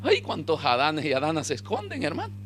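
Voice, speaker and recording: A man preaching a sermon as pastor, acting out voices and shouting at his peaks. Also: a little high, wildly swooping pitch, fairly quick, a little hiss or hum.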